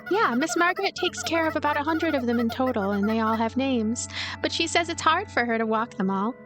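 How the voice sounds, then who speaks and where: A woman's voice: high-pitched, expressive, brisk. A woman voicing a cheerful, optimistic ghost girl in a visual novel, with a light and playful manner. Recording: music behind the voice.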